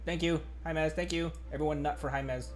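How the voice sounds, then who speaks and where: A man's voice: a little high, steady tone, fast, faint music behind. A man streaming a game, chatting casually with viewers in a playful way and reading along. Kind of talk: casual live-stream commentary.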